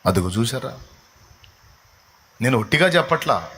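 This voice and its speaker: A man's voice: medium pitch, very animated, normal speed, a bit bright. A man preaching a sermon, rising into fervent, tearful prayers as he pleads with God. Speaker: pastor.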